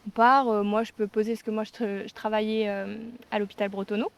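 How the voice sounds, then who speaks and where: Female vlogger, medium-pitched, relaying life stories in casual conversation. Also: flat delivery, fairly quick, clear, resonant tone. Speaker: vlogger telling a life story with partner. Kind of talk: casual storytelling chat.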